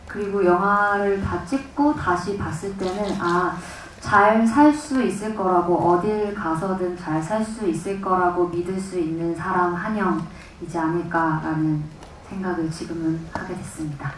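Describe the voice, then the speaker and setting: Thoughtful actress in an echoey hall. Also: female voice, fairly low pitch, fairly even intonation, far from the mic, a little hiss or hum. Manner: thoughtful, measured. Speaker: actress at a press conference. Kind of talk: answering questions on a panel. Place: large cinema hall.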